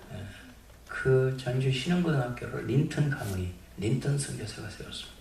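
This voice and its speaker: Audible room echo around a man's medium-pitched voice, with ordinary pitch variation and a moderate pace. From South Korea, North Jeolla. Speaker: missionary. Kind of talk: sermon.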